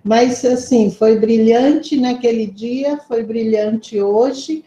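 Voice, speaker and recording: A woman organizer giving slow, hesitant, complimentary closing remarks at an online lecture over a video call. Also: a little high, warm tone, reverberant, low-quality recording. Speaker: event organizer.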